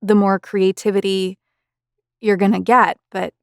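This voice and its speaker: A woman's voice: medium pitch, little pitch movement, measured pace, gravelly, smooth, dry recording, studio quality. A woman interviewing a guest in a conversational way.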